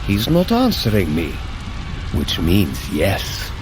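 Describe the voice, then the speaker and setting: A man's voice: low voice, huge pitch swings, slow pace, background noise, full character voice. A man voicing a Norse god in an audio drama, an earnest, squeamish big brother with a theatrical, indignant, grumbling delivery. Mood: wry grumbling.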